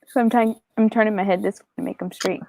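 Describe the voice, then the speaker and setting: A woman's voice: medium pitch, steady tone, fast talker, vocal fry, a little mellow, no room sound. A woman co-hosting a casual chat in a church sanctuary, light and teasing. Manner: light, teasing, laughs often.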